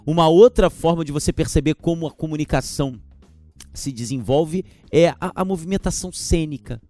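A podcast host and teacher trainer talks about teaching into a podcast microphone, animated and gesturing as he mocks teachers' verbal tics. His voice is on the high side at normal speed, with no room sound and soft background music.

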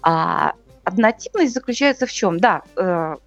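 Animated woman chatting about TV. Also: fairly low pitch, unhurried, gravelly, highs cut off, soft background music. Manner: lively, explains plots step by step. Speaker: podcast co-host. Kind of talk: casual TV review chat.

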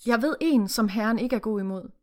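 A man's voice: sits high, lightly acted. A woman voicing a devout, grieving enslaved man who earnestly pleads with his master, read from a book. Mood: pleading.

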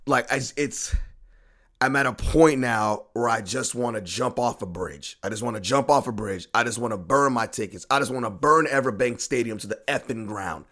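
A man with a worn, hoarse voice, ranting on a sports podcast. His pitch sits in the middle of the male range. He keeps circling back to the same complaints with exasperated swearing. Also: moderate pace, bright, forceful tone. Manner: frustrated, profane, repetitive ranting. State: hoarse, lost voice. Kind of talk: solo ranting sports talk.

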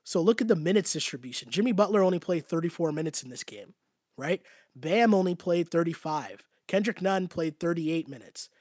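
A man's voice: a little high, animated, fairly quick, a little mellow, no room sound, clean studio sound. Man with a strained, fading voice. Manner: conversational, repetitive, often asks "right?". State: losing his voice. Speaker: basketball show host. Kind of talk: casual sports commentary to a live chat.

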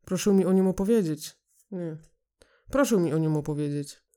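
A woman runs through scripted lines in an informal rehearsal. Her voice is on the low side, with a dark, mellow tone. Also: moderate pace.

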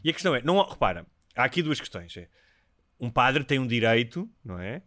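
A man's voice: medium pitch, brisk, no room sound, clean studio sound. A Portuguese man in his forties with a European Portuguese accent, chatting casually and telling stories with lots of "não é?" tags. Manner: storytelling, animated, with frequent "não é?" tags. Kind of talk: casual chat.

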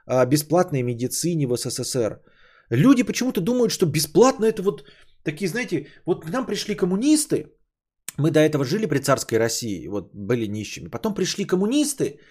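A man in his late thirties, hosting a casual stream and chatting with his audience in a rambling, opinionated way, with lots of fillers and pitch that jumps up when he gets indignant. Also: warm tone. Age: 30s. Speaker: podcast host streaming. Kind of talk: casual stream chat reading donations.

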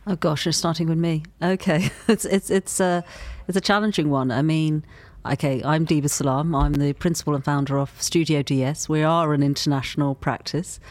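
Architect guest, mid-pitched, halting, filler-heavy, dry close sound. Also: steady tone, no echo. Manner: hesitant, many fillers. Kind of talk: interview answer.

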